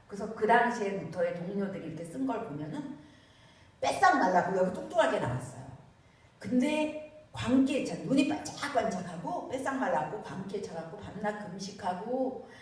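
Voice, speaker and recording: A woman pastor preaching a sermon, telling the story in an animated, storytelling way. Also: mid-range voice, moderate pace. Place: church. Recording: echoey church hall from far off.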